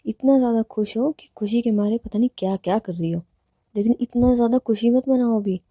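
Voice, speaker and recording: A woman's voice: on the high side, brisk, dark tone, dry recording, clean studio sound, close to an everyday voice. Woman voicing Preet, a fiery young college girl. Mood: affectionate. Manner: scolding, indignant, raises voice. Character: young college woman, quick-tempered but loving.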